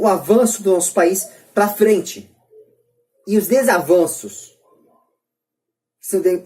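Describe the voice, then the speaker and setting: Homem paulistano de voz suave, meio aguda. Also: male voice, high voice, mellow. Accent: Brazilian, São Paulo. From São Paulo, Brazil. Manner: emphatic, rhetorical, repeats phrases. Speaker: podcast host. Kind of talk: podcast debate, opinion monologue.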